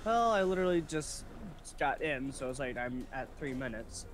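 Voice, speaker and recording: A man's voice: mid-range voice, animated, moderate pace. A man chatting casually as a co-player on a game stream. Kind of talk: casual chat.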